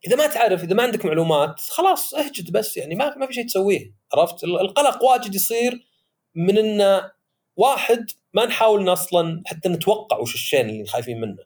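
Guy hosting a podcast, talks fast, voice jumps all over, slightly high. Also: breathy edge. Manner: animated, acts out quoted voices. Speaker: podcast host. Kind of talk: casual podcast discussion.

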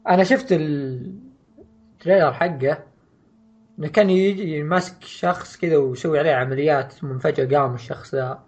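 Man, husky voice, rapid casual podcast chat, offhand. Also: a little high, a little mellow, dull audio. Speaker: podcast co-host.

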